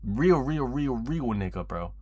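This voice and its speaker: A man's voice: medium pitch, big pitch swings, unhurried, a little mellow. A twenty-year-old man chatting casually on a livestream in a rambling, slangy, repetitive way, with frequent swearing. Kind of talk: casual livestream chat to viewers.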